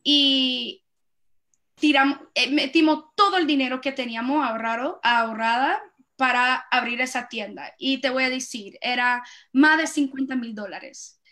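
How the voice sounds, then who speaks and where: A middle-aged woman as an interview guest, telling a personal story haltingly with many fillers and restarts. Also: high voice, pushed and bright. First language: Spanish, Portuguese spoken at home.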